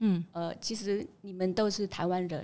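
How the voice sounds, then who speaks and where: In a very clean recording with a silent background, a woman with an unremarkable speaking voice and medium pitch talks at a fairly slow pace. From Vietnam. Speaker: immigrant rights activist. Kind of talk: casual interview chat.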